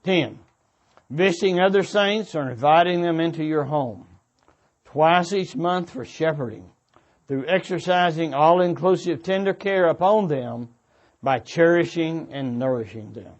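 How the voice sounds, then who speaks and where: Higher-voiced man preaching earnestly. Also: unhurried, muffled recording. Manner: earnest, exhorting. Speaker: church speaker. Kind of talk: sermon-like exhortation to a congregation. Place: church meeting before a congregation.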